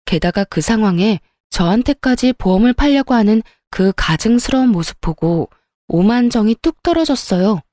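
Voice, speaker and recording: A woman's voice: medium pitch, warm tone, no room sound, studio quality. A woman narrating a real-life story in a confiding, indignant storytelling manner.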